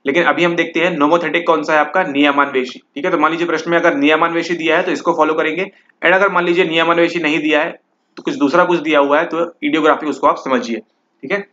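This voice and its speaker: Over slightly dull lo-fi audio, a man with a fairly high, sharp, steady voice moves quickly through exam questions. He switches between Hindi and English and keeps checking in with the listener by repeating "ठीक है."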